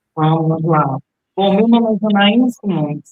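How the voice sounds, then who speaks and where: At a moderate pace, a woman speaks with a Pernambuco accent. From Pernambuco, Brazil. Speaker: consultant and municipal secretary. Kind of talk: podcast interview. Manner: hesitant fillers.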